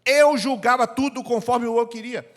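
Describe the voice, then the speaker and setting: Older man, Brazilian accent, high-pitched pastor, conversational sermon, reverberant church hall. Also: steady tone, moderate pace, a bit bright. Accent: Brazilian Portuguese. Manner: conversational preaching, repeating phrases for emphasis.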